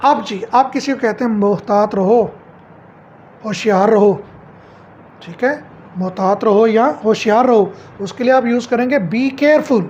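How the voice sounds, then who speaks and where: High-voiced woman teaching English phrases. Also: unhurried, darkish tone, dull audio, slight background noise. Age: middle-aged. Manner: repeats each phrase as a question and answer. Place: home.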